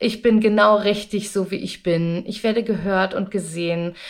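On a very clean recording with a silent background, a woman talks at a medium pitch in a plain, everyday voice with ordinary pitch variation. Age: 30s. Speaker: early childhood educator and parent coach. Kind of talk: interview.

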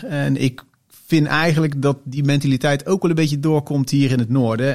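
In a southern Dutch accent, a man speaks at a medium pitch with fairly even intonation. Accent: soft G, southern Dutch. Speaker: company director. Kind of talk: casual chat. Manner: halting, many fillers.

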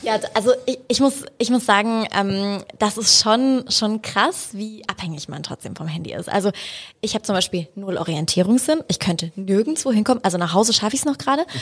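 Over noticeable background noise, the speech moves at a moderate pace with lively intonation. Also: woman. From Bavaria, Upper Palatinate (near Neumarkt). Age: 20s. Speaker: radio host and influencer. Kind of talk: casual interview chat. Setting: radio station studio.

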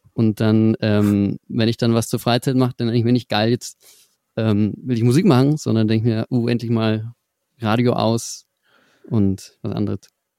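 Medium-pitched male voice with a dark, mellow tone and fairly even intonation, in a very clean recording with a silent background and a dry, close sound with no echo. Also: moderate pace. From Franconia, Germany (Lauf an der Pegnitz). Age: 20s. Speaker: musician and music student. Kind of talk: casual interview.

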